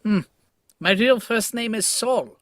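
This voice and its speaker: An actor playing a courteous older German Jewish scientist who greets a new colleague. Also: male voice, sits high, takes it slowly, fairly bright tone.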